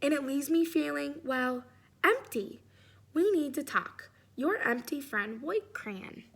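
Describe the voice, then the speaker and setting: A woman's voice: high voice, expressive, takes it slowly, creaky, a bit bright, exaggerated voice. A woman voicing a forlorn, overlooked white crayon in a storybook, plaintive and emphatic.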